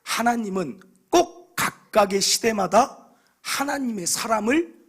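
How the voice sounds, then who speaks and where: A male pastor preaching a sermon in a church, telling scripture stories with animated, acted-out dialogue. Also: high-pitched, unhurried, slightly rough.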